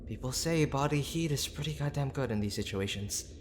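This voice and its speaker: A man acting a gruff but tender young boyfriend who is desperately worried, speaking in a halting, pleading, intimate way for an audio roleplay. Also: medium pitch, animated, a little hiss or hum, natural voice. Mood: reassuring, anxious. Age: young adult. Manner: halting, pleading, with sighs and breathy asides.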